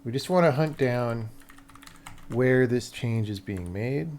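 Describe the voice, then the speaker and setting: A man's voice: mid-range voice, lively intonation, slow pace, a little mellow. A man live-streaming game development, thinking aloud casually and muttering to himself in short fragments.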